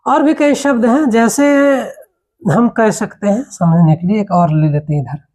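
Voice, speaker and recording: A man teaching a Hindi grammar lesson, explaining patiently, repeating each word slowly and often checking that his listeners follow. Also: high voice, a little mellow. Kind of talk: classroom lesson.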